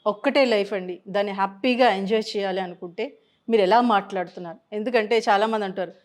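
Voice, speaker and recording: A woman's voice: medium pitch, fast talker. A woman counselor giving a health advice talk to camera, explaining through patient stories and mixing in English words.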